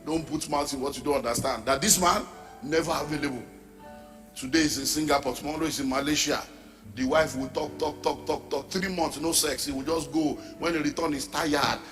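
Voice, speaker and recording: A middle-aged man, preaching a sermon as a pastor, forceful and rising to shouts. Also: fairly high pitch, steady tone, normal speed. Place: church or large hall. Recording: reverberant hall with background music.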